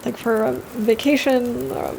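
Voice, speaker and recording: A woman's voice: on the high side, fairly even intonation, unhurried, creaky, darkish tone, slight background noise. A woman from the United States streaming a survival game, chatting casually and answering her chat by name with frequent laughs. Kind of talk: casual gameplay chat with chat readers.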